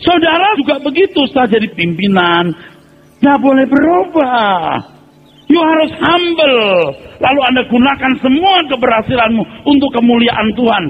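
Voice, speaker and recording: Husky high-voiced preacher in a hall. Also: male voice, animated, normal speed. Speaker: pastor. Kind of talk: sermon. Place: church pulpit. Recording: tinny phone-like sound with long hall reverb and faint music.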